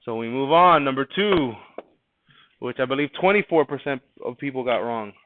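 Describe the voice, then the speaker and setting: A man's voice: mid-range voice, animated, normal speed, a little hiss or hum. Casual male math teacher, tinny sound. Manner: casual, conversational, repeats words while thinking. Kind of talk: classroom lesson reviewing a quiz. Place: classroom. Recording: dry, phone-like narrow sound.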